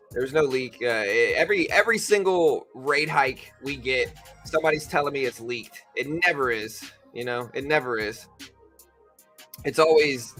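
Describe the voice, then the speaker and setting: A man's voice: mid-range voice, fairly bright tone. A man hosting a casual early-morning livestream, tired and just woken up, talking in a laid-back, rambling way. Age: adult with a daughter. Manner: laid-back, rambling, says bro and you know a lot. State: just woke up, tired, voice deeper than usual. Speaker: livestream trading host. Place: home in Texas.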